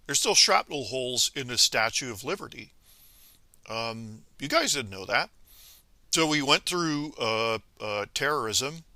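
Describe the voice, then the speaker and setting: A man from Venezuela speaking a political monologue to viewers, halting with many pauses and restarts, then scolding emphatically. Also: mid-range voice, expressive, bright, forceful tone, no echo. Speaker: commentator.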